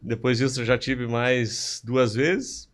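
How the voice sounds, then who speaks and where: A man hosting a podcast, telling stories in a relaxed, chuckling way. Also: medium pitch, slow. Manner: relaxed storytelling, chuckles, restarts. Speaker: podcast host. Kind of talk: casual podcast chat. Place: studio table.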